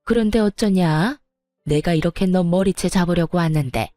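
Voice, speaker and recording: A woman's voice: lowish voice, moderate pace, warm tone, no room sound, soft background music, close to an everyday voice. A woman voicing an angry, sarcastic older mother-in-law who bullies her daughter-in-law. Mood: scolding. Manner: sneering, bullying, sarcastic.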